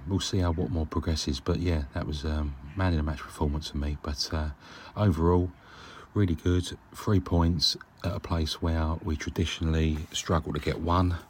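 A man's voice: very deep voice, moderate pace, few pauses, a little hiss or hum. A man leaving a casual, rambling voice message as a caller to a fan show. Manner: relaxed, chatty, hesitant with many ums. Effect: recorded voice message.

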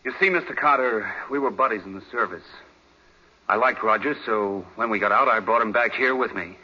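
A man's voice: lowish voice, fairly quick, pushed and bright, breathy edge, heavily acted. An American actor playing a bitter, boastful, resentful young man in a 1940s radio drama. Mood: boastful, confiding. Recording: muffled vintage 1940s radio recording.

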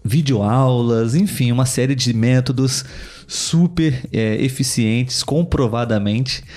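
Brazilian male podcast host, mid-pitched, loose and chatty, faint music underneath. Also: slow pace, a little mellow. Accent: Brazilian Portuguese. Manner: chatty, with many fillers and asides to co-host. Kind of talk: casual podcast chat.

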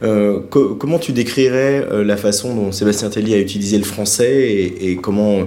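Low-voiced French interviewer, rambling questions. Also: male voice, fairly even intonation, normal speed, warm tone. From France. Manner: long rambling questions with fillers. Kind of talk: radio interview.

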